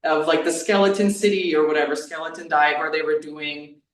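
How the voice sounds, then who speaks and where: A woman's voice: low voice, little pitch movement, brisk. Echoey, distant woman in her thirties, rambling casually. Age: 30s. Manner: rambling, peppered with "like". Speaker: YouTube creator on diet. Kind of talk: casual conversational interview. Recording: echoey room, distant from the mic.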